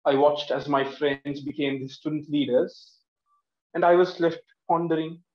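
A man's voice: on the high side, steady tone, a little slow. A young man from Sri Lanka in his twenties, standing in his living room and giving an earnest, emphatic prepared speech while gesturing with both hands. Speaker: speech contestant. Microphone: laptop camera across the room, headphones on. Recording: echoey room, dull lo-fi sound.

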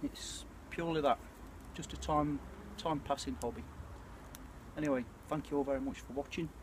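A man's voice: on the high side, normal speed. British man chatting over outdoor noise. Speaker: bushcraft vlogger. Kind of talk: casual reflective chat to camera. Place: outdoors at night by a small campfire. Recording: clear ambient noise of an outdoor campfire.

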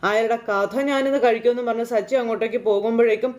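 A woman's voice: on the high side, steady tone, rapid-fire, a little mellow. A woman casually retelling a TV serial episode in a chatty, conversational way, often turning to the listener. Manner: chatty, conversational, frequent fillers addressing the listener. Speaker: serial episode recap narrator.

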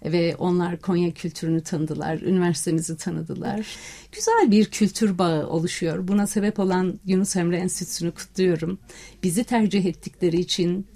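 A woman's voice: on the low side, mellow. A woman speaking formally as an interview guest and language centre director.

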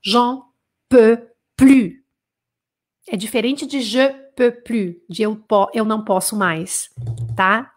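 A Brazilian woman with a Brazilian Portuguese accent giving a casual live French lesson, slowing down to model phrases and checking in with quick tag questions. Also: mid-range voice. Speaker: French teacher. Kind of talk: live online language lesson.

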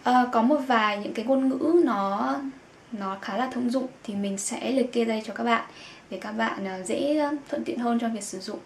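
A young woman teaching German to learners, explaining things and repeating each word slowly. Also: fairly high pitch, creaky. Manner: explains in Vietnamese, says German words slowly and repeats them. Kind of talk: language lesson for Vietnamese learners. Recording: echoey room with faint background noise.

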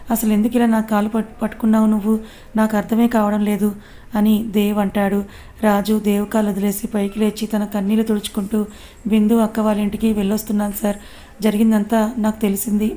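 Female narrator for a serialized romance, mellow tone, level delivery, does all the parts herself. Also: medium pitch. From Telugu-speaking India. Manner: voices all the characters in her own plain voice. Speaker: storyteller. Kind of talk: reading a serialized romance story aloud.

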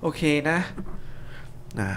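A young man giving casual, excitable gameplay commentary and teasing his co-player. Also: extremely slow, soft background music. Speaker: game commentator. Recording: faint background noise.

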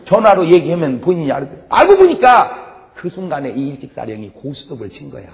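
A man preaching a humorous revival sermon as a pastor, telling animated stories with frequent laughter. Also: a little high, quick pace, gravelly, muffled recording. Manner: animated storytelling with frequent laughs and shouted punchlines. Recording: long hall reverb, faint background noise.

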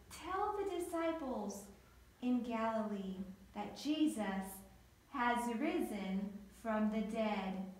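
A radiant angel messenger, as a woman storyteller puts it on, speaking slowly and solemnly in a high voice. The words ring through a very echoey church hall. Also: a little mellow, slight background noise.

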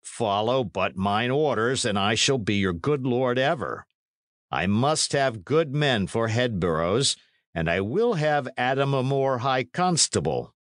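A man plays a lordly knight from a historical storybook, dry and coldly mocking. He speaks slowly and with menace, giving commands in archaic phrases, the pitch moving widely. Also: big pitch swings, no echo. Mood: commanding, threatening.

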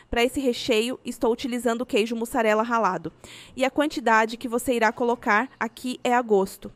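A woman's voice: fairly high pitch, no echo. A woman with a Brazilian Portuguese accent, reading a scripted recipe voice-over as host.

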